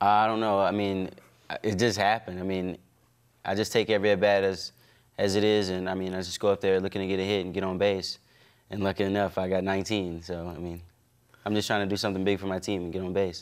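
A man's very deep, low voice with an American accent, monotone and flat, at a very fast pace against a quiet background. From Texas. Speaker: college baseball player. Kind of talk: interview. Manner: halting. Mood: relaxed, modest, friendly. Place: studio. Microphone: lapel.

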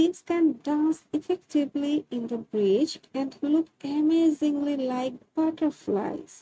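A woman's high-pitched voice, dark and mellow in tone, at a very slow pace with hardly any pauses and ordinary pitch variation, in a dry, close sound with no echo. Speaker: video creator narrating drawing tutorial. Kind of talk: nature documentary narration, scripted and read aloud in an even, informative tone. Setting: voiceover for online video. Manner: measured, formal.

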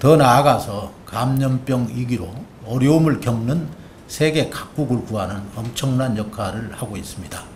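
This man speaks at a fairly slow pace with ordinary pitch variation. Light background noise sits behind him. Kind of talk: official press briefing. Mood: serious, measured. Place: meeting room. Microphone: podium.

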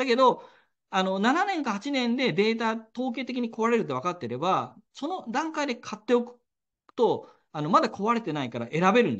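Lively intonation and big swings in loudness mark a man's extremely high voice at a moderate pace. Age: 50s. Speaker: individual investor. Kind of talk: lecture.

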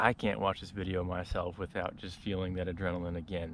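There is light background noise as a man talks in a very deep, low pitch at a moderate pace, and the sound is dry with no echo. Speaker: fishing vlogger. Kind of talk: casual vlog intro. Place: waterside. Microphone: phone near.

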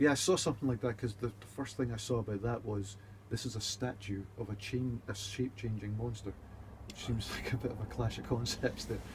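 Noticeable background noise sits behind a man with a Scottish accent who talks at a fairly quick pace and medium pitch with fairly even intonation. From Scotland. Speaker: whisky podcast co-host. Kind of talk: casual chat. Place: home room.

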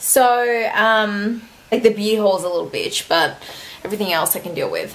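A woman talks at a moderate pace, her pitch moving in an ordinary way. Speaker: beauty vlogger. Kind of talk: casual vlog chat. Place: home room. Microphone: phone near.

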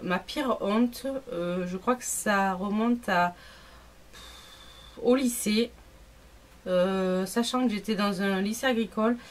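A woman speaks at a very slow pace with fairly high pitch, ordinary pitch variation, big swings in loudness and long, frequent pauses. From France. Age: 20s. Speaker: YouTuber. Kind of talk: casual vlog chat. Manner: hesitant, many fillers. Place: home room. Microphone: camera far.

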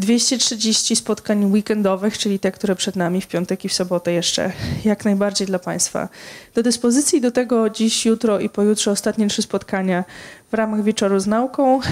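Intonation stays fairly even while the words come at a moderate pace. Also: woman. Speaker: festival council representative. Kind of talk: introductory announcement to audience. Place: hall. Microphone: handheld.

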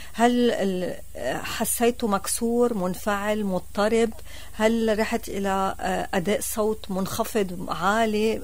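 Very slow speech from a woman, fairly high in pitch and fairly even in intonation. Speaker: radio presenter. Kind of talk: radio interview hosting.

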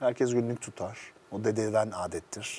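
Moderate speed from a man's voice. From Gaziantep, Turkey. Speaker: actor and writer. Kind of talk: casual chat. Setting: studio. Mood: reflective, nostalgic. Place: studio. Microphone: lapel.

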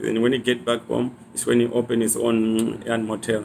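A man speaks at a moderate pace with monotone, flat intonation over faint music in the background. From Malawi. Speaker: chef; interviewee. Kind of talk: casual chat. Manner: halting. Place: home room. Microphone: phone near.

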